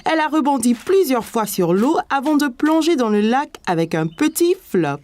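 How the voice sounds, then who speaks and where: A woman narrating a children's cartoon in a gentle, scripted storytelling manner. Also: high-pitched, big pitch swings, moderate pace. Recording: music bed under voice.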